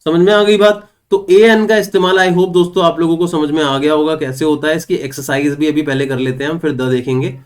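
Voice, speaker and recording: A young man teaches an English grammar lesson for exam students, with a voice pitched a little above the usual male range. He works through examples step by step, asking questions and answering them himself. He reads the English example sentences slowly and clearly. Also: little pitch movement. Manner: explains step by step, asks and answers his own questions. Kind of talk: online exam-prep lesson.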